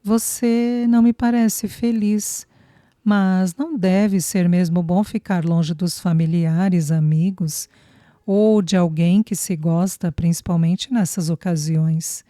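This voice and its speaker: A woman narrator voicing a shy, self-conscious young woman who talks softly and hesitantly. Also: lowish voice, steady tone, takes it slowly, no echo, studio quality. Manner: soft, hesitant.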